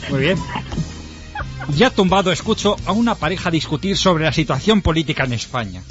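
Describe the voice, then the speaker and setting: A man's voice: on the high side, animated, fairly quick. A man hosting a radio game, reading a story aloud in a playful, theatrical way. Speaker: radio host. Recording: dull radio audio with music behind.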